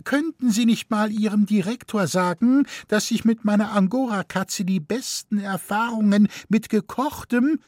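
A woman's voice: medium pitch, moderate pace, few pauses, darkish tone, no echo, clean studio sound, voice pushed up, lightly acted. A man reading aloud voices a fussy, anxious elderly lady who frets and chatters on primly. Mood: fretful. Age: older. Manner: prim, worried, chattering on.

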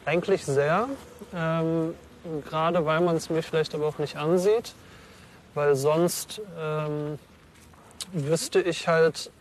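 A man's voice: on the high side, steady tone, slow, a little hiss or hum. A man from Germany answering interview questions outdoors, hesitant, with many fillers and restarts.

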